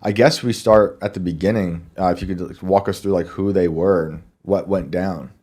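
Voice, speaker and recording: A man's voice: low voice, steady tone, moderate pace, a little mellow, breathy edge. A middle-aged man hosting a podcast interview, talking loosely and casually with many fillers. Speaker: podcast host.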